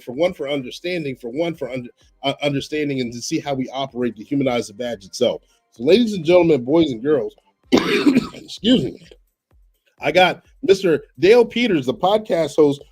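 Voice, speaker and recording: A man hosting a live-streamed podcast, hoarse from a cold, talking in a chatty way that repeats itself, with coughs and apologies. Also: fairly high pitch, darkish tone. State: hoarse, getting over a cold. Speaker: podcast host.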